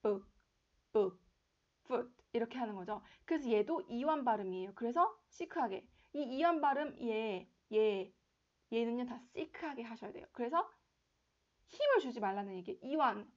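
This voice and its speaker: A woman's voice: on the high side, expressive, moderate pace, lo-fi sound. A woman teaching English vowel pronunciation in a casual online lesson, repeating each vowel sound to demonstrate it.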